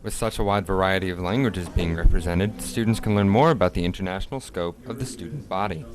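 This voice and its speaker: A young male student reporter narrating a news package in a measured, scripted voice-over. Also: low-pitched, crowd noise. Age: young adult.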